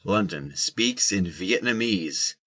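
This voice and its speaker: A man's voice: deep voice, animated, takes it slowly, a bit bright, no room sound. A man narrating a scripted audio drama.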